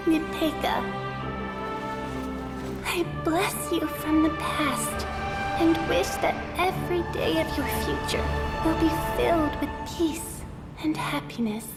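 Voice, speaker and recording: An actress playing a tender, sincere young girl in a video game, speaking gently. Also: very high voice, takes it slowly, full character voice. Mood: solemn, loving. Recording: loud music behind the voice.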